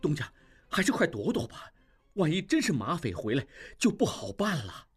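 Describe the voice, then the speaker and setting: A man plays a fretful shop assistant in an audio drama, hurried and flustered. His voice is high with a husky grain. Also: wildly swooping pitch, heavily acted. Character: anxious male second shopkeeper, fretful.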